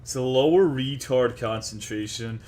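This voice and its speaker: A man's voice: mid-range voice, moderate pace, darkish tone. A man from Texas, chatting crudely and jokingly with viewers while streaming a video game. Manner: brash, profane, joking with chat. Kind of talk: casual live gaming stream chatter.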